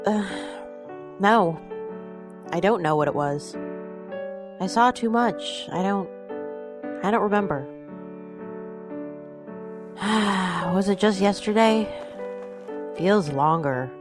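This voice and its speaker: Slow, weary actress as a shaken woman. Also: medium pitch, animated, over music. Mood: guarded, tired. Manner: halting, hesitant. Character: weary, shaken woman recovering from a fainting spell. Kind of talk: audio drama acting, slow dialogue.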